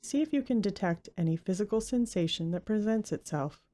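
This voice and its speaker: A woman leading a guided Christian meditation, giving gentle, unhurried instructions with long pauses between phrases. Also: mid-range voice, lively intonation.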